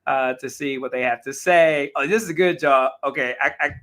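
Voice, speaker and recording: A man hosts a live talk show in a mid-range, slightly hoarse voice, talking fairly quickly. Casual and animated, he reacts to viewer comments and corrects himself often.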